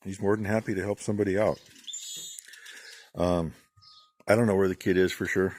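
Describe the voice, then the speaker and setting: A middle-aged man, a farmer vlogging, giving rambling, plain-spoken shout-outs in a casual way. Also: low-pitched, steady tone, normal speed. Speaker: farm channel vlogger.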